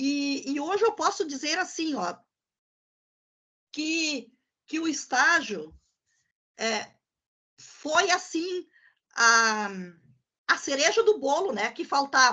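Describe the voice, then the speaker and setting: A woman projects a raised, high, bright and sharp voice with very wide pitch swings. She talks very slowly and leaves long, frequent pauses. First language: German (speaking Portuguese). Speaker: student teacher. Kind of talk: academic presentation. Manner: halting, with many repetitions.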